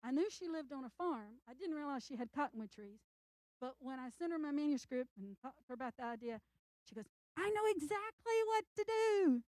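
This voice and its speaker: A woman's voice: sits high, lively intonation, a little mellow, no room sound, poor audio. An older woman author giving an earnest, encouraging talk to an audience at a library event. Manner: earnest, encouraging, speaks slowly with emphasis. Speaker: children's book author.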